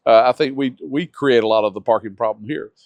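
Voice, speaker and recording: A man's voice: medium pitch, a little fast, vocal fry, no room sound. A man who owns a local business, chatting casually with a big voice and frequent restarts. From North Augusta, South Carolina. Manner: loud, hesitant with restarts, enthusiastic. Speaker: local business owner guest. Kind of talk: casual interview chat.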